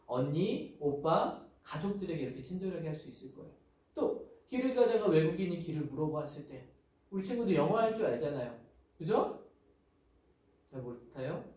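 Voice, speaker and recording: Pastor giving a children's sermon, animated storyteller, high voice, heard from a distance in a very echoey room. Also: male voice.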